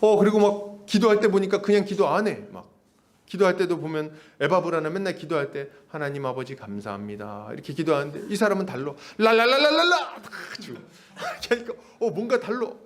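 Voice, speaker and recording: Animated Korean pastor preaching. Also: male voice, high voice, fairly quick. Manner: animated, acts out voices of others in the story; casual, conversational preaching with laughter. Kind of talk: expository sermon. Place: church sanctuary.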